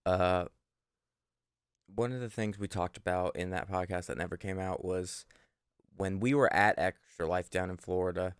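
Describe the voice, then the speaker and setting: A man's voice: deep voice, steady tone, normal speed, smooth, no room sound, studio quality. A young man co-hosting a casual podcast from his living room, telling stories in a rambling, self-correcting way. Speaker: podcast co-host.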